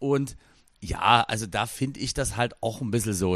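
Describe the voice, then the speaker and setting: A man in an unremarkable speaking voice at a moderate pace. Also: quiet background. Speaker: podcast host and DJ. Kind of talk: casual chat. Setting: video call.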